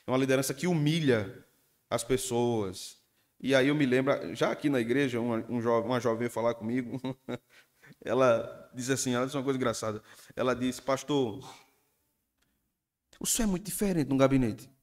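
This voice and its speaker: A male pastor delivers a sermon at a mid pitch. He tells his stories in a lively, animated way and acts out the people in them. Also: brisk. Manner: animated storytelling, acts out congregants.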